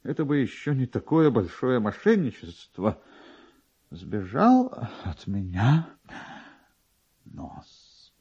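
Man playing indignant pompous official, hurried and flustered, lively lowered pitch, radio storybook reading, muffled old recording. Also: breathy edge, exaggerated voice. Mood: flustered, pleading. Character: agitated, self-important male government official, desperately indignant. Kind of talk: dramatised literary reading. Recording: dull, lo-fi archive radio recording.

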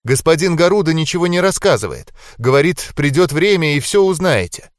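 A man voicing a young angelic wife, devoted and anxious, in an audiobook, speaking in a softly raised, earnest voice. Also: a little high, expressive, fairly quick, no room sound, clean studio sound, pitched above the performer's own voice, close to an everyday voice.

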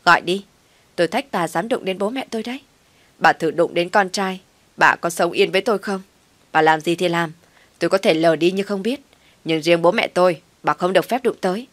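A woman's voice: lowish voice, fairly quick, a bit bright, dry recording, natural voice. Woman doing a defiant young daughter-in-law. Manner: defiant, taunting.

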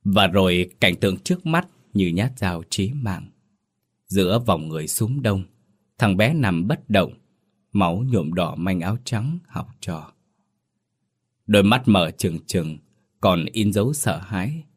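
A man's voice: deep voice, expressive, unhurried, husky. A man narrating a tragic village ghost story in a solemn, mournful, scripted style.

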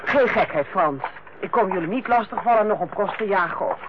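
An actress playing a stern, principled eldest sister and senior nurse in a Dutch radio play, speaking in a prim, blunt manner. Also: female voice, medium pitch, animated, fairly quick, close to an everyday voice. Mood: earnest, awkward. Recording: dull, noisy old radio play recording.

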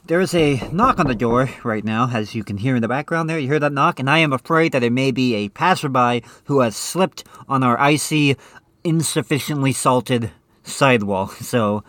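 A man's voice: mid-range voice, normal speed, a bit bright, no room sound, studio quality. A man hosting a radio show in a casual comedic style, fussy and hesitant. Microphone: close studio microphone.

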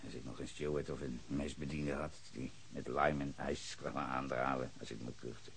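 An actor playing a bitter, hard-drinking former sea captain under questioning, brooding low then flaring into furious shouts in a radio drama. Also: male voice, fairly even intonation, normal speed, vocal fry, a little hiss or hum. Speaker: suspect questioned by detective.

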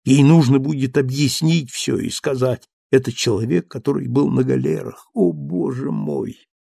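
A man voicing an anguished older ex-convict who pleads in a hushed, halting voice. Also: medium pitch, creaky, slightly rough, no echo, studio quality.

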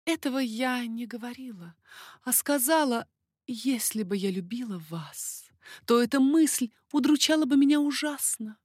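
Brief: a woman playing a coy young baroness, high and breathy, lilting and teasing. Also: moderate pace, no room sound, studio quality. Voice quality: breathy, airy whispers. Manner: coquettish, lilting.

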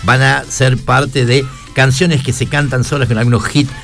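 A man hosting a live radio show with a Córdoba Argentine accent, chatting casually and teasing his co-hosts with quick jokes. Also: medium pitch, fairly even intonation, vocal fry, a bit bright, soft background music. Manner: joking, teasing, quick asides. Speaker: radio host. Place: radio studio.

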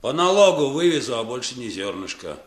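A man's voice: medium pitch, big pitch swings, fairly quick, echoey room, close to an everyday voice. An actor playing a stubborn, tight-fisted, well-off peasant man who refuses in curt, sullen replies at a village meeting in a radio play.

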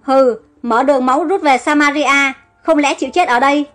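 An enraged, defeated enemy king, as a woman narrator puts him on growls his lines in an audio storybook. The voice stays high. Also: steady tone, normal speed, a bit bright, faint music behind. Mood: furious. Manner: angry, growling.

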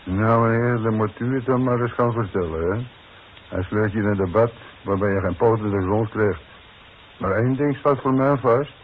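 Actor as a low-voiced gruff Dutch foreman, hissy radio. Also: normal speed, lightly acted. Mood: wry. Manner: dry, sardonic, blunt. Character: gruff, wry working-class demolition foreman, stubbornly frank with his boss. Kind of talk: 1960s Dutch radio drama acting. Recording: muffled, hissy old radio broadcast recording.

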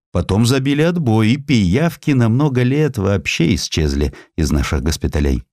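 Male narrator for historical essay: low register, measured and expressive storytelling, dry studio sound. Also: no echo. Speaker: audiobook narrator.

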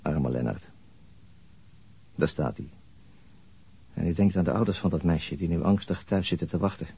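A brooding man telling a radio crime story as inner monologue. His voice is very low and soft-edged, heavily husky and breathy. He sounds weary and haunted, lingering over short phrases. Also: full character voice. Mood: somber, bitter. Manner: slow, introspective, halting monologue. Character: brooding, weary male narrator haunted by a murder.

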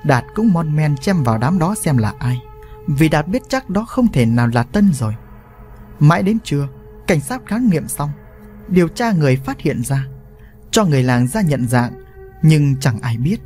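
A man narrating a scripted story in an expressive, animated reading. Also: fairly high pitch, normal speed. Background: faint music.

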